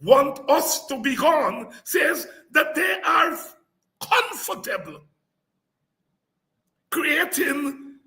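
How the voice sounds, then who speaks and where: Fiery high-voiced man orating. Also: big pitch swings, drawn-out words, pauses often. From Guyana. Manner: fiery, declamatory, repeats phrases for emphasis, breaks into shouts. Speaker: podcast host and political speaker. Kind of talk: impassioned political address.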